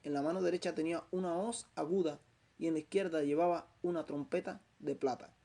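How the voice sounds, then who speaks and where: Hombre cubano que predica con voz rasposa. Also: male voice, on the high side, steady tone, mellow. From Cuba. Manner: slow, emphatic, repeats phrases for stress. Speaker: preacher. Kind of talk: Bible teaching sermon.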